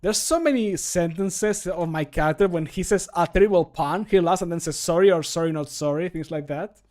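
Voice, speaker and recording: A man's voice: high-pitched, a little fast, darkish tone. A man in his thirties streaming from a home room, chatting casually and jokily into a close microphone. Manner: jokey, self-deprecating, playful sound words when working. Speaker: streamer and hobby voice actor. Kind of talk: casual livestream chat. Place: small home room, indoors. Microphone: close desk microphone.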